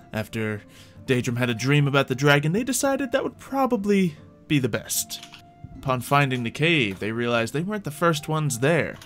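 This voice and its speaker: A man's voice: mid-range voice, fairly bright tone. A man hosting a roleplay game stream, chatting casually and narrating the adventure off the cuff. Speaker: game master and stream host. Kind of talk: casual livestream chat and improvised tabletop narration.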